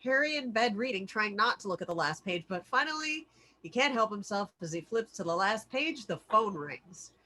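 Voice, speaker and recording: A woman's voice: mid-range voice, expressive, moderate pace, bright, forceful tone, poor audio. A woman narrating the stage directions of a film script expressively at a virtual table read.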